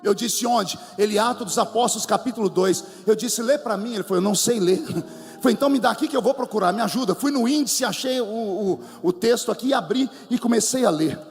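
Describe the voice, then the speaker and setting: A man preaching a testimony sermon, telling the story in a lively way, mimicking voices and breaking into song. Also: high voice, brisk, long reverb tail. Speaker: pastor. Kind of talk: sermon testimony with acted dialogue.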